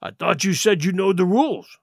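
A man performs a wily pirate sea cook from an adventure storybook. His voice rides high and swings widely in pitch, heavy with sarcasm and scorn. He argues in rustic nautical dialect, captured close and dry. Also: big pitch swings, measured pace, pushed and bright, dry recording, heavily acted. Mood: contemptuous, defiant. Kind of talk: audiobook character acting.

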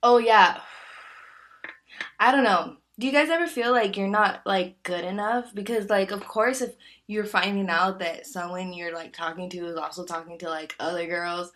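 A woman's voice: mid-range voice, normal speed, fairly bright tone, slight background noise. Chatty, candid woman in her twenties. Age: 20s. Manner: chatty, candid, laughs often, many fillers. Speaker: podcast host. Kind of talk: casual solo podcast chat.

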